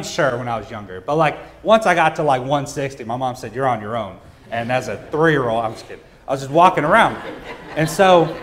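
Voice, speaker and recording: A man preaching a sermon, telling a personal story in a casual, joking way with frequent "uh" fillers, at a church service. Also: on the high side. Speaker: pastor.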